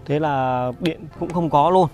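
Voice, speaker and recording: A man's voice: a little high, a little slow, a little mellow, soft background music. A young man vlogging on a village visit, chatty and caring, talking straight to his viewers. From Vietnam. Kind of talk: casual vlog chat.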